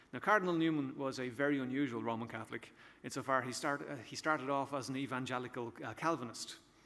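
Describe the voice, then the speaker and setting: Talking at a very fast pace in an Irish accent, a man keeps a medium pitch with ordinary pitch variation. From Ireland, Dublin. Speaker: university vice-chancellor. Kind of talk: conference keynote speech.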